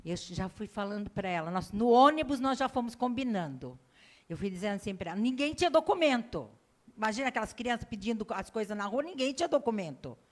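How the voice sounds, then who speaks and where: A woman's voice: medium pitch, animated, fast talker. A middle-aged woman missionary preaching in a church, telling a personal story and acting out the dialogue for the congregation. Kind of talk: sermon storytelling.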